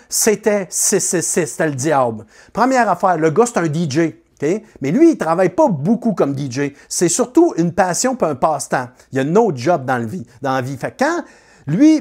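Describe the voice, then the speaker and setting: A man with a Quebec French accent telling a comic anecdote about his neighbors. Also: high-pitched. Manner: lively, animated, many fillers. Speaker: storyteller.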